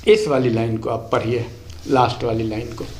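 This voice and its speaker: A man giving a language lesson, reading practice sentences aloud in a deliberate, instructive way, line by line. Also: mid-range voice, steady tone, a little mellow, a little hiss or hum. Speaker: language teacher. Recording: echoey untreated room.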